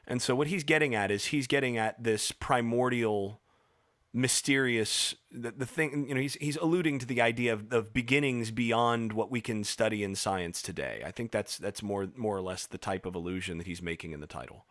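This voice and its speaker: A man's voice: medium pitch, normal speed, a bit bright, dry recording, clean studio sound. A man discussing a book on a podcast, thinking aloud with frequent fillers and restarts. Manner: thoughtful, many fillers and restarts. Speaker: podcast guest.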